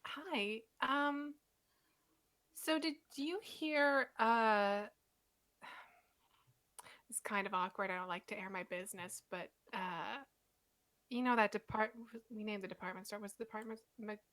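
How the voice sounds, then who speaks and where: Woman playing a shy, halting toy maker. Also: on the high side. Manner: halting, soft, full of pauses and fillers. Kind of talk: tabletop role-play in character.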